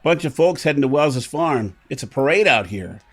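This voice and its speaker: An actor playing a gruff, matter-of-fact male driver in a golden-age style radio drama. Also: medium pitch, animated, moderate pace. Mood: laconic.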